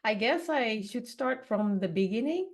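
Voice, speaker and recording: A woman's voice: a little high, animated, unhurried. A woman from Singapore, a podcast guest, telling her life story candidly in a rambling, conversational way. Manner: candid, rambling, frequent "you know" and "like". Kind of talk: personal storytelling in a podcast interview.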